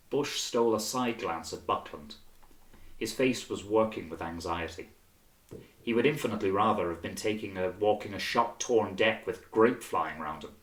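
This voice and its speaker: A man reading a novel aloud as scripted audiobook narration. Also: fairly low pitch. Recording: roomy, reverberant sound.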